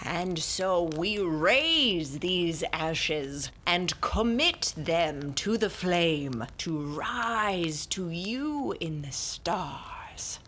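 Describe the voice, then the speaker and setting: A woman voicing a stern older storyteller who leads a solemn ritual in an audio drama, speaking slowly and with measured weight. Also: fairly low pitch, lively intonation, fairly bright tone, slight background noise, full character voice. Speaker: narrator and ritual leader.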